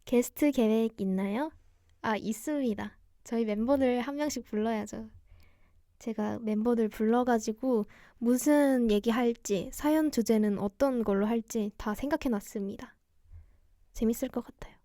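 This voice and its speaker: A young woman hosting a cozy radio-style livestream chat, speaking in a soft, gentle, quiet way. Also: on the high side, normal speed, no echo, studio quality. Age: young adult. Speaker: radio DJ host, idol singer livestreaming.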